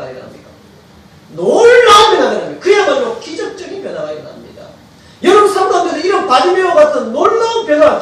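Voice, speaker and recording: A man's voice: very high voice, a little hiss or hum. Male pastor preaching, voice swings up and down a lot, sounds far from the mic in a big echoey church. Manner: animated preaching, quizzes the congregation, rises to shouts. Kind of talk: sermon. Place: church sanctuary.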